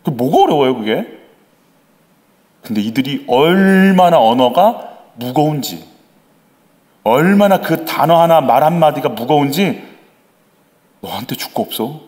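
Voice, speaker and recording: Male pastor preaching, voice jumps around a lot, slightly higher pitched, plays out little voices for the people in church. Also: a little slow, pauses often. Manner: animated, acts out quoted voices; conversational, asks the congregation questions. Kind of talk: sermon.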